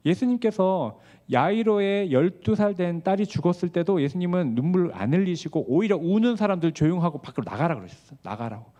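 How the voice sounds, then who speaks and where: A male pastor preaching a sermon, asking the congregation questions and swinging between hushed asides and raised, emphatic passages. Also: high voice, expressive, fairly quick, hardly any pauses.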